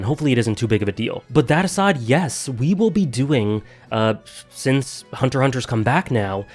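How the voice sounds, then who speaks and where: A man with a mid-range voice, nasal and a little rough because he is getting over a cold, talks through a casual review in a chatty, eager way. He fills his pauses with "uh" and "um" while faint music plays under him. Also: medium pitch. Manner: chatty, enthusiastic, many "uh" and "um" fillers. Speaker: anime reviewer, channel host. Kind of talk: casual video review monologue.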